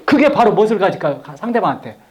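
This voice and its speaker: A man's voice: sits high, fast. A man giving an interactive lecture on marriage communication to a live audience. He coaxes them to take part, acts out what husbands and wives might say, and chuckles often. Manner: animated, coaxing the audience, acting out couple dialogues, chuckling often.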